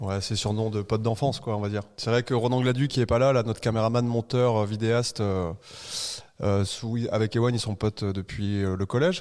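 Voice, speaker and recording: The speaker is a man with a normal speaking voice and medium pitch. He goes at a fairly quick pace with fairly even intonation. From Brittany, France. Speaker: surfer. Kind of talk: casual chat.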